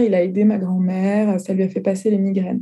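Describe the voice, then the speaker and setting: Somewhat breathy, this woman has a dark, mellow tone. Her pace is moderate. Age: 30s. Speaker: medium and shamanic practitioner. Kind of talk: interview.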